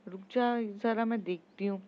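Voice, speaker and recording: A woman's voice: mid-range voice, fairly even intonation, a little slow, lo-fi sound, lightly acted. A woman voicing Naina, an emotional, moody young woman, in a storytelling podcast with a pouting, demanding manner. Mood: puzzled.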